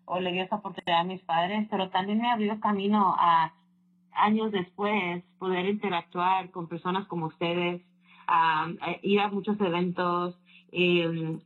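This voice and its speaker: A woman raised in the Chicago area, telling her own story as a guest in an interview, reflective and mixing in English phrases. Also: lowish voice. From Chicago area, United States. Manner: reflective, with frequent fillers and English phrases mixed in. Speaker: scholarship recipient guest. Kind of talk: casual personal story in an interview. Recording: far-off tinny phone-like line.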